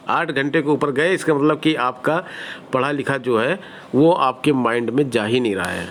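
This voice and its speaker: Slight background noise accompanies this online exam-prep teacher, a Hindi-accented man with a fairly high voice. He advises students directly and conversationally, drawing on everyday examples.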